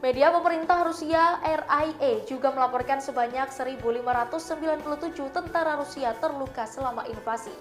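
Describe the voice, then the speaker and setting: A woman with an Indonesian accent narrating a scripted news voice-over. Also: high voice. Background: faint background music.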